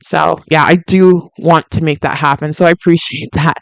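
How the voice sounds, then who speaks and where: This fitness livestream host keeps things casual as she reads out viewer comments, full of fillers and relaxed laughs. She speaks at a moderate pace with fairly even intonation, and her deep, soothing, smooth voice is captured up close, dry, with no room sound.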